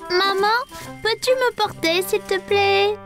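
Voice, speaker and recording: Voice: extremely high pitch, a bit bright, soft background music, full character voice. A performer voicing a small, curious boy in a French-dubbed children's cartoon, speaking in simple, childlike phrases. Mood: plaintive, unwell. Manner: slow, simple, childlike questions. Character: small boy, about four, eager and curious.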